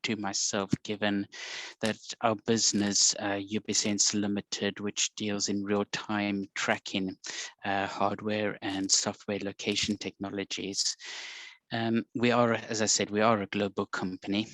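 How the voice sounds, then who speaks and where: A man in his forties with a South African accent, speaking as a guest on a video call interview in a measured, explanatory way. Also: lowish voice, completely flat delivery, fairly bright tone, no echo, poor audio. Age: 40s. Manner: measured, explanatory, with frequent ums and uhs.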